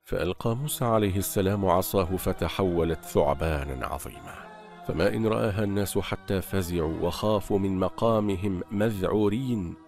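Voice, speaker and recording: A man narrating a religious story in a scripted, measured, solemn way. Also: deep voice. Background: soft background music.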